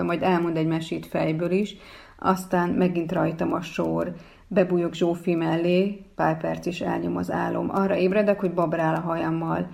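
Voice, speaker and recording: A woman reading a first-person story aloud as narrator, in a calm, measured way. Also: fairly low pitch, gravelly.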